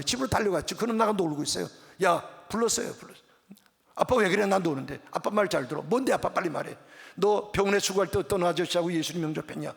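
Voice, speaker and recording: High-voiced gravelly man preaching. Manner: animated storytelling, acts out dialogue. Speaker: pastor. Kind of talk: revival sermon with storytelling. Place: church sanctuary. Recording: reverberant church hall.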